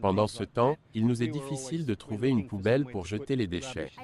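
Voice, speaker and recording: A man's voice: on the low side, a little fast, natural voice. A man giving interview remarks for a television news report. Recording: crowd noise behind the voice.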